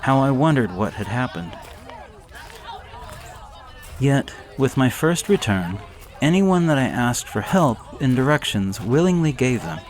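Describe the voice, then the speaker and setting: A man narrating a gothic horror story in a measured, deliberate way. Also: mid-range voice, sing-song, poor audio.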